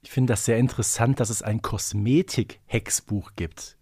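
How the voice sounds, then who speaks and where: A man co-hosting a casual fan podcast, speaking deliberately with slightly formal phrasing. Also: mid-range voice, steady tone, mellow, husky. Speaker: podcast co-host.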